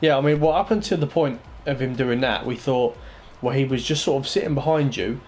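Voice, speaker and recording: A man's voice: medium pitch, a little fast, a little mellow. A man hosting a casual post-race interview, matey and chatty with frequent ums and restarts. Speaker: interview host.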